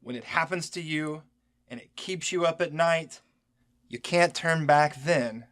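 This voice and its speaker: A man's voice: fairly high pitch, measured pace, fairly bright tone. A man playing a weary, stern but protective senior agent in an audio drama, speaking in a cautioning way. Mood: weary, concerned.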